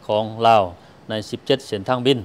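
A middle-aged man from Laos, an official giving a statement to the press into a handheld microphone. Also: racing. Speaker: government official, air traffic director general. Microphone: handheld interview microphone.

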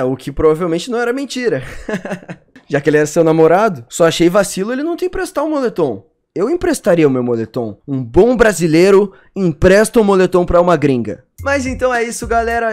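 High-voiced sarcastic young Brazilian man. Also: very animated, fairly quick, darkish tone. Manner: sarcastic, crude jokes. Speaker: YouTuber reacting to clips. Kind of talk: casual reaction commentary. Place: small room at home. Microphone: boom mic close to mouth.

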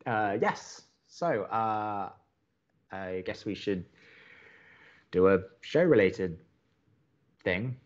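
A young college radio co-host in an audio drama, wry, blunt and impatient. His voice sits fairly low and he speaks with sardonic emphasis. The sound is slightly dull. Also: expressive, very slow, pauses often. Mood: flustered. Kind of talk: naturalistic audio drama dialogue.

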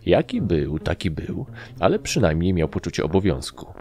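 A man narrating an audiobook in a very low, gravelly voice. His delivery is dry and wry, and it moves lively up and down. Faint music plays softly behind him. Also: normal speed. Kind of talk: first-person audiobook narration.

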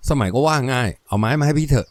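A man voicing a gentle, charming elder brother in a deep, soft voice. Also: fast, no room sound, lightly acted. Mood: tender.

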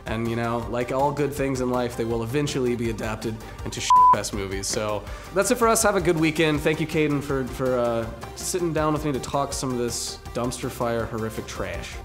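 A young man in a studio talks through gaming news with a joking, animated delivery. His pitch sits in a middle range. Faint music plays under him. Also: normal speed. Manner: animated, jokey, swings to loud bursts. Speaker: co-host. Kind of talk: casual scripted video commentary.

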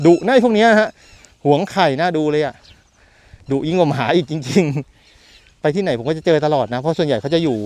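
A man talks casually while walking outdoors across open countryside, filming on a handheld camera. His voice sits a little on the high side, and his delivery is loose and chatty as he points things out along the way. Birds call in the open air around him. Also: a little fast, pauses often, darkish tone, dry recording. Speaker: land seller and property reviewer. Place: outdoors in open rural fields by a road.

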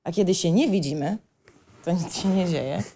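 An actress as a mellow, teasing young woman. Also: fairly low pitch, normal speed, slight background noise, natural voice. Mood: reproachful. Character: Alicja, a teasing, conflicted 25-year-old secret lover. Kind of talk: screenplay table reading as radio play.

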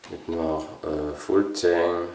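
A man presenting a collection as a channel host, unscripted and casual, haltingly thinking aloud. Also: low-pitched, fairly even intonation, darkish tone, a little hiss or hum. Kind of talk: casual product showcase, unscripted. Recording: roomy echo, distant microphone.

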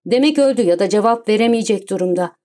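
A woman reading the lines of a suave, commanding gentleman thief in an audiobook, cool and self-assured. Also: medium pitch, fast talker, lightly acted. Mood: calm, commanding.

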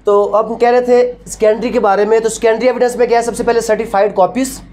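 A woman's voice: a little high, steady tone, fast, dark tone. A woman with a Pakistani accent teaching a law class, posing questions and answering them herself, switching between Urdu and English terms. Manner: didactic, asks rhetorical questions and answers them; mixes Urdu with English legal phrases. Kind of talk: classroom lecture.

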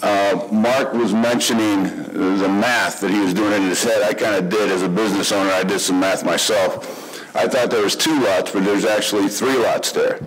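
A middle-aged man, president of a homeowners group, reading prepared public comments at a podium in a meeting room. He speaks earnestly and haltingly, with many fillers. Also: lowish voice, slight background noise, low-quality recording. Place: indoor township meeting room. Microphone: podium microphone.

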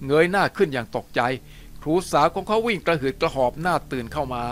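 A man's voice: fairly high pitch, animated, fast talker, fairly bright tone, slight background noise. A man steadily and expressively reading a novel aloud as a storyteller. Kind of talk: audiobook narration of a novel. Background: faint music.

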